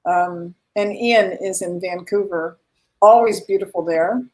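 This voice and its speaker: A woman's voice: on the low side, measured pace, darkish tone. A woman hosting a live online event, chatting casually and greeting viewers.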